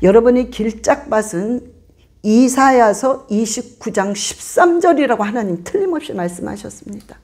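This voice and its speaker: Animated, high-pitched woman pastor preaching. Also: normal speed. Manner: animated, acts out congregants' voices; emphatic, repeats commands. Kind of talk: sermon.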